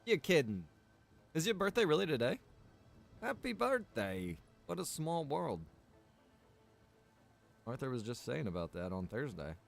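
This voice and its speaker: A man's voice: mid-range voice, big pitch swings, measured pace, creaky, long pauses. A man streaming a game, chatting casually and rambling as he thinks aloud. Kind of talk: casual livestream gameplay chat.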